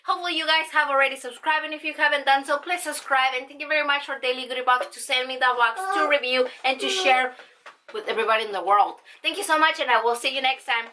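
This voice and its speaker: A woman reviewing products in a chatty vlog, with excited exclamations. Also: sits high, quick pace, a little hiss or hum. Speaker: unboxing vlogger.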